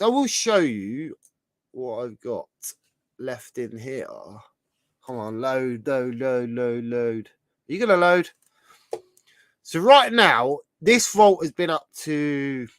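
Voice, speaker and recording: A man with a sore, hoarse throat, hosting a casual livestream and rambling chattily as he browses. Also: a little high, a bit bright, no echo. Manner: chatty, rambling, thinks aloud while browsing. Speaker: livestream host.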